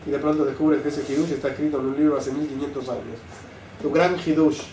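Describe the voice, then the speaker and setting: An older man, a rabbi, giving a Torah class, lively and full of rhetorical questions. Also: fairly high pitch, quick pace. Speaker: rabbi teaching. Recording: roomy sound, mic at a distance, faint noise.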